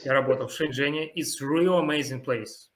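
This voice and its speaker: A young Russian man hosting a casual chat. He speaks halting English with a Russian accent and laughs often. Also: mid-range voice. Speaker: host.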